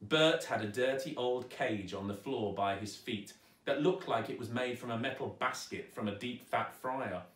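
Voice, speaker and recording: A man narrating a children's story aloud with dramatic, expressive delivery, recorded in a roomy space at some distance. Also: mid-range voice, normal speed. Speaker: storyteller, actor reading aloud. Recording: roomy echo, distant microphone.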